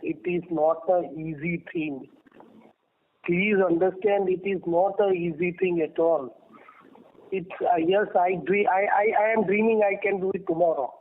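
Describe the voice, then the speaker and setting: An Indian-accented man with a high-pitched voice speaks over a narrow, tinny phone conference line. He is a company executive giving unscripted answers, emphatic and prone to repeating phrases for stress. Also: steady tone, unhurried. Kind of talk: unscripted answers on an earnings call. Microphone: telephone.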